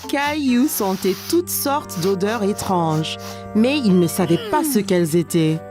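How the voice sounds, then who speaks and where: A woman narrating a children's cartoon like a scripted storybook, with expressive, clear storytelling. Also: medium pitch, unhurried, over music, natural voice.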